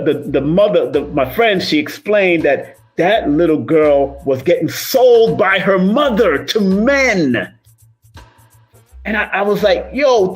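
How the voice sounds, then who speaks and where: A man talking casually and motivationally as a numerologist livestreaming, emphatic and repetitive, rolling his R's. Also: sits high. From Cuban and Jamaican heritage. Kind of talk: casual motivational monologue to live viewers.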